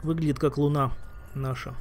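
A man's voice: fairly high pitch, fairly even intonation, moderate pace, darkish tone, slight background noise. A man giving casual gameplay commentary as a streamer, thinking aloud and muttering asides while he plays. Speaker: game streamer.

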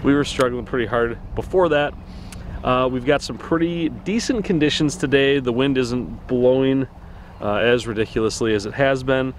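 Guy hosting a fishing vlog from his boat, easygoing mid-pitch voice, lots of uhs, light boat hum behind. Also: moderate pace. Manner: upbeat, joking, with frequent fillers. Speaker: fishing channel host. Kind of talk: casual vlog talk to camera. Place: outdoors on a boat on a lake.

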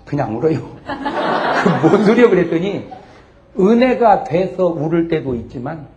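A middle-aged man preaching a humorous revival sermon to a congregation, lively and joking, swinging from loud shouts to soft asides. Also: a little high, a little hiss or hum. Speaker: pastor. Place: church sanctuary before a congregation.

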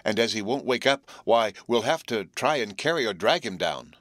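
A man's voice: fairly low pitch, lively intonation, moderate pace, a bit bright, no room sound, clean studio sound. A man doing Frank, a cool-headed boy. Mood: urgent. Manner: firm, commanding. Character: cool-headed teenage boy, decisive leader.

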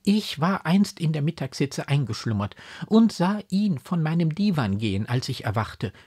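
Ein Mann liest eine verzweifelte junge Adlige. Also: male voice, on the high side, sing-song, normal speed, darkish tone, breathy edge, pitched above the performer's own voice. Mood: imploring. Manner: agitated, exclaiming. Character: young noble lady, bewildered and distraught.

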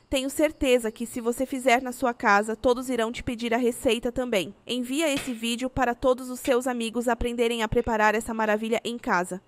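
A woman's voice: on the high side, no echo. A woman with a Brazilian Portuguese accent, reading a scripted recipe voice-over as host.

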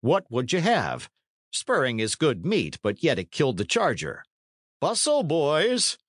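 A man's voice: fairly high pitch, wildly swooping pitch, measured pace, dry recording, clean studio sound, pitched above the performer's own voice, heavily acted. A man reading a storybook as a blustering, imperious medieval knight who barks orders in archaic speech. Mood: brisk, commanding.

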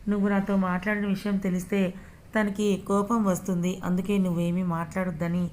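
Tearful young heroine in an audio story, read by a woman, flat delivery. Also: mid-range voice, a little fast, lightly acted. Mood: upset.

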